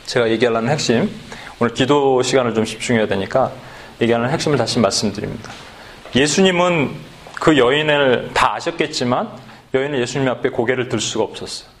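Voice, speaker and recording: A man preaching a sermon as pastor, telling a story with lively acted-out bits, in a church. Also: mid-range voice, brisk. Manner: animated storytelling, acts out voices, then leads sung worship. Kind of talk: sermon with acted skit retelling. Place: church sanctuary.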